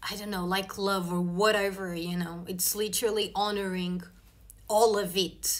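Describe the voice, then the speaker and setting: A woman with a non-native accent talks at a fairly slow pace and medium pitch, her intonation flat and monotone. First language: not English. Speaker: spiritual vlogger. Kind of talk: casual monologue vlog. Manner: informal, conversational.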